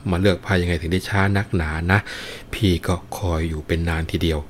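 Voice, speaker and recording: A man's voice: low-pitched, fairly even intonation, fast, a little hiss or hum, lightly acted. A man voicing Khun Phaen, a dashing warrior husband of Thai legend, in coaxing, teasing speech.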